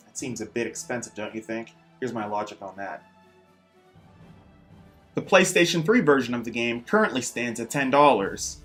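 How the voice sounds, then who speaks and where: A man presents gaming news as the host of a weekly show. His voice sits at an average male pitch, and he reads his script with informal, punchy emphasis and dramatic pauses. Faint music plays behind him. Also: fairly bright tone.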